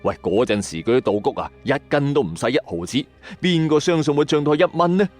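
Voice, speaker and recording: Animated male Cantonese storyteller from Hong Kong. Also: medium pitch, a little fast. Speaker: storytelling podcast host. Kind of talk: dramatic scripted storytelling narration. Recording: music under the voice. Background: background music.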